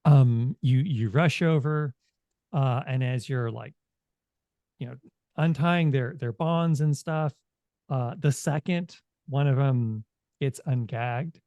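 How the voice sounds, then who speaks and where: A man speaking in a halting, informal way as he narrates a tabletop game as game master. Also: medium pitch, warm tone, no echo.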